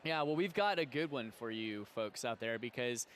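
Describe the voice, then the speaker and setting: A man co-hosting a podcast, telling stories in a lively, excited way from a busy convention exhibit hall. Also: medium pitch, moderate pace, slight background noise. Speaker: podcast co-host. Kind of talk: casual interview chat.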